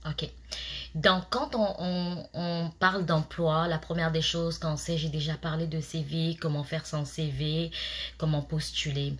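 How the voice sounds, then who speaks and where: A woman's voice: low voice, little pitch movement, a little slow. A woman in her thirties who moved to Canada, chatting to her viewers and giving job interview tips, with many fillers and restarts. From immigrant to Canada. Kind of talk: casual advice talk to camera.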